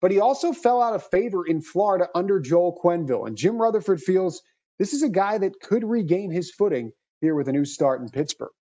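A man's voice: high voice, animated, brisk, warm tone, lo-fi sound. A man hosting a hockey podcast, reading a fluent, upbeat scripted segment. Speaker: podcast host and hockey reporter.

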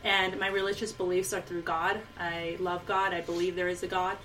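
A woman's voice: lowish voice, level tone, moderate pace, a bit bright. A woman from Costa Rica, an author and speaker, talking as an interview guest with frequent hesitations. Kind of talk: casual interview. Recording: mic at a distance, faint noise.

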